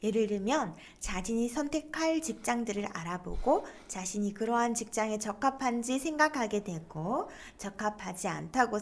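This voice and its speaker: A middle-aged woman giving a lecture, explaining terms and leading students to read aloud together. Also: mid-range voice. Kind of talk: online lecture on stress coping.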